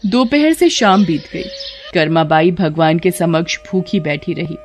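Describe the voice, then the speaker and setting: A woman narrating a scripted devotional story in an even, clear storytelling voice. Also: on the low side, unhurried. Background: faint background music.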